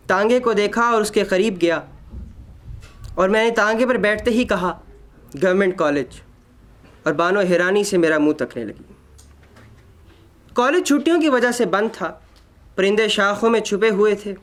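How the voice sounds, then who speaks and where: A man narrating a literary short story in an expressive, measured, dramatic reading style. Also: high-pitched.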